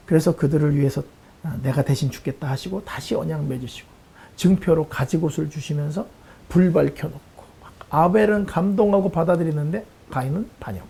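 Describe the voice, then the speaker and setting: A man preaching as a pastor in a Bible lesson sermon, lively and acting out the lines he quotes. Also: a little high, vocal fry, husky.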